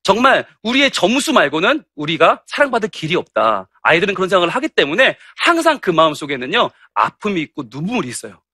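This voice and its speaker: Brief: middle-aged pastor lecturing teachers, animated and humorous, very expressive pitch. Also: male voice, quick pace, few pauses, no room sound, studio quality. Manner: animated and humorous, acting out anecdotes. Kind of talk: lively lecture to church teachers.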